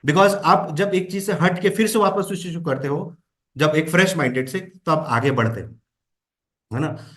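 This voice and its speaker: A man's voice: a little high, moderate pace, fairly bright tone. A man giving a motivational talk as a trainer, mixing English phrases into Hindi and often checking in with "है ना?". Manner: coaching, with frequent "है ना?" check-ins.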